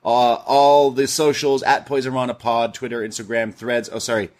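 A man's voice: mid-range voice, level tone, moderate pace, a little mellow. Laid-back podcast co-host, a man in his thirties, mid-range voice, easygoing delivery. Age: 30s. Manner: laid-back, reads messages aloud, laughs easily. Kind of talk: casual podcast chat, reading listener mail.

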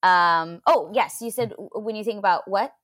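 Woman, casual chat, reflective, lots of ums, mid pitch. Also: normal speed, a bit bright. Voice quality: voice that gets lost. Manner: chatty, reflective, many fillers.

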